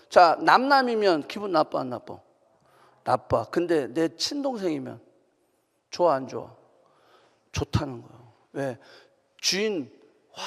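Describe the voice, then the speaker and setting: A woman pastor preaching a sermon in a high, lively voice. She asks her listeners question after question and raises her voice for emphasis. Her voice carries a long reverb from the church hall. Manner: animated preaching with rhetorical questions and emphatic outbursts. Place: church sanctuary.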